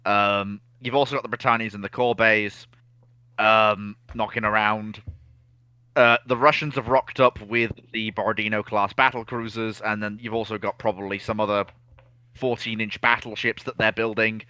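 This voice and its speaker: A man in a casual history chat, explaining things in an animated, opinionated way. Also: fairly low pitch, normal speed, clear, resonant tone, no room sound. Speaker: naval history discussion panelist.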